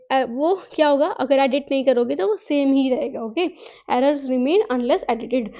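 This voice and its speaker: A woman teacher gives a recorded lecture, mixing Hindi and English, reading points slowly and then explaining them in a chatty way with frequent tag questions. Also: high-pitched, warm tone. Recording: dull lo-fi recording.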